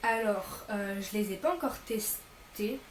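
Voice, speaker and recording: A woman's voice: medium pitch, unhurried, roomy sound, a little hiss or hum. A young woman vlogging casually to camera in an informal, rambling way, her voice a bit off because she is mildly ill. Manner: informal, rambling, self-correcting. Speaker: vlogger presenting a shopping haul.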